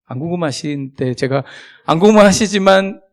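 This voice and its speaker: Gravelly, chatty man preaching. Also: fairly high pitch, lively intonation, normal speed. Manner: chatty and humorous, with dramatic swings in loudness; acts out remembered dialogue. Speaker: guest preacher. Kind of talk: sermon.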